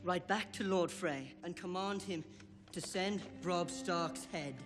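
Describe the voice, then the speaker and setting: Spiteful royal boy king, commanding and high. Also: slow pace. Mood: gloating, cruel. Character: spiteful young boy king, arrogant, cruel and petulant. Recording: loud background music, film soundtrack.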